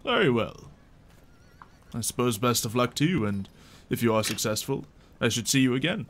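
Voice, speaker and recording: A man playing a formal, self-important elite guard in a fantasy tabletop game, speaking in a measured way. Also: mid-range voice, expressive, fairly bright tone.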